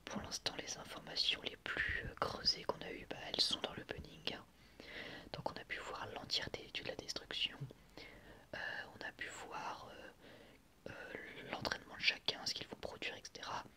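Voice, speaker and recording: Homme qui chuchote en ASMR. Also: male voice, moderate pace. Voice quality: soft unvoiced whisper. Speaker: host of an anime ASMR channel. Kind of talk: whispered ASMR commentary.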